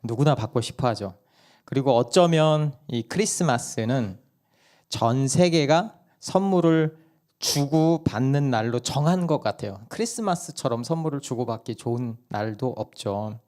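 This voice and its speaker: A hoarse male pastor giving a sermon at a church service, telling stories and asking the congregation questions. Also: mid-range voice, animated, measured pace, a little mellow. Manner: conversational storytelling, asks the congregation questions.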